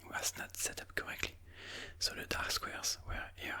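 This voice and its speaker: Chess moves are broken down slowly and deliberately by an ASMR host whose unvoiced, breathy whisper has a pushed, bright quality.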